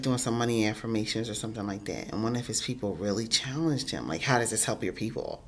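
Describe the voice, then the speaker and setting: A woman vlogger talking earnestly into her phone, stuffy-nosed and congested, with lots of ums and repeated words. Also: rumbling low. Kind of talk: casual motivational talk to camera.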